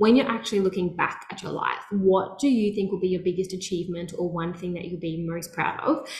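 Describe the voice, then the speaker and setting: Speaking fairly quickly with hardly any pauses, a woman uses a medium pitch and ordinary pitch variation over noticeable background noise. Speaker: podcast host, nutritionist. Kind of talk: casual chat.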